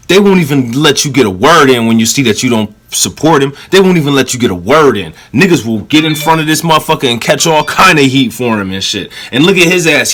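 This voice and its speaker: A man's voice: a little high, a bit bright, slight background noise. A man hosting a reaction video, cutting into a clip with blunt, profane and sarcastic commentary.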